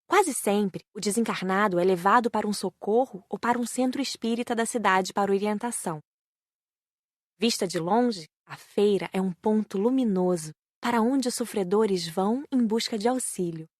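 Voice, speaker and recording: A woman's voice: mid-range voice, normal speed, dry recording, studio quality. A woman with a Brazilian accent reading scripted narration for a spiritist audiobook.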